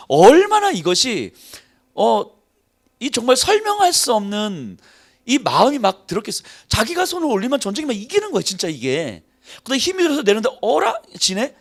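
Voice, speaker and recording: A male pastor preaching a playful, animated sermon, acting out little quotes and laughing as he goes. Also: sits high. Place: church hall.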